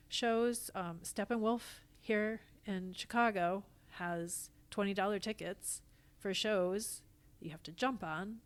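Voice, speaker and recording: A middle-aged American woman talking casually as a theatre guest on a podcast. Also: mid-range voice. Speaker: podcast guest, theatre actor and company founder.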